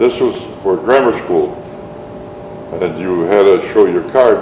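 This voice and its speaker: Amid noticeable background noise, a man with an American accent talks at a moderate pace. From Syracuse, New York. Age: 80s+. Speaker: oral history interviewee. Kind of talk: interview answer.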